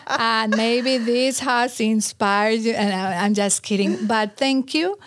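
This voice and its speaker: A middle-aged woman from Colombia speaks English with a clear Spanish accent. Her voice sits on the higher side, recorded close and dry with no room sound. She talks earnestly and laughs at herself now and then. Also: slow pace, dry recording. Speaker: guest, communications coach. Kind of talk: conversational interview.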